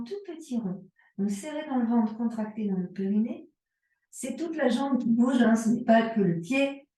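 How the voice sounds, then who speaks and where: A woman yoga instructor calmly cueing breath and movements, leading a guided yoga and strengthening class. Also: medium pitch, recorded from a distance. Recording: echoey room, voice from away from the mic.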